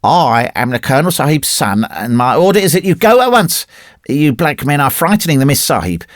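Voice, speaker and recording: Guy doing a little six yr old boy from a storybook, bossy n earnest, voice way up high. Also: sing-song, brisk, no echo, studio quality. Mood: commanding. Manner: commanding, childishly solemn. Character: small imperious six-year-old boy, earnest and brave.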